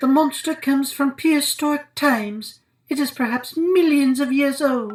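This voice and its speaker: A put-on character voice, female-sounding and high-pitched, moves at a moderate pace. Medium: read story. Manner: formal, lecturing.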